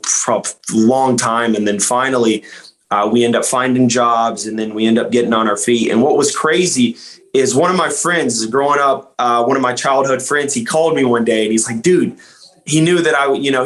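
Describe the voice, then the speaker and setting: Young man, earnest, rambling, mid-pitched voice, casual podcast talk. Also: fairly bright tone, low-quality recording. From Louisiana. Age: young adult. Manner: earnest, rambling, many fillers and restarts. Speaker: guest, insurance agent.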